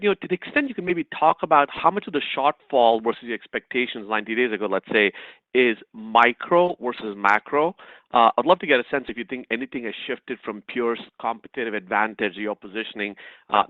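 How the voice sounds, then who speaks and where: A man's voice: mid-range voice, no room sound. A man calling in as a financial analyst, putting a polite, hedged question on an earnings call. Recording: narrow phone line.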